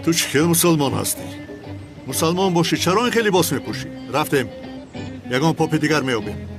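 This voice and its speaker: A man's voice: on the high side, lively intonation, music in the background. A man dubbing an aggressive adult man who bluntly demands what he wants. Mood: demanding. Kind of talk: film dub.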